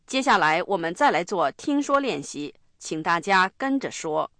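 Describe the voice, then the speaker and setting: A woman hosting a radio English lesson, explaining phrases in a clear, instructive way. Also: lowish voice, sing-song, normal speed, a bit bright, no echo. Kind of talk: scripted lesson narration.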